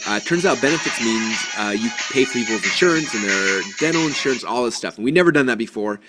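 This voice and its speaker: A man's voice: medium pitch, animated, fast talker, loud music behind the voice. A man presenting a business webinar, eager and chatty, often restarting phrases and acting out little dialogues. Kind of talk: energetic business webinar talk.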